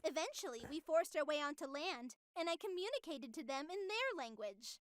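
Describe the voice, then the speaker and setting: A woman's voice: high voice, lively intonation, normal speed, dry recording, studio quality. A woman playing a cheerful but tyrannical, self-righteous artificial being, narrating a scripted visual novel. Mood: breezy, smug.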